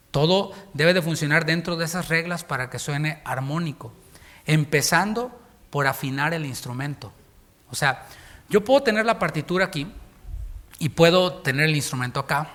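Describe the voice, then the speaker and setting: Mexican pastor, man, fairly high voice, preaches to his congregation, reads verses slowly and breaks them down with jokes. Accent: Mexican Spanish. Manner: reads scripture slowly, then explains in lively joking asides. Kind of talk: sermon. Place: church congregation.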